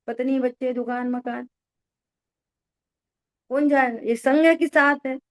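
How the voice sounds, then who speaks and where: Expressive woman giving a spiritual talk. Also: high-pitched, a little slow. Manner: keeps asking listeners if they follow; expressive, exclaims and acts out little dialogues. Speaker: spiritual teacher. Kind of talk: religious discourse.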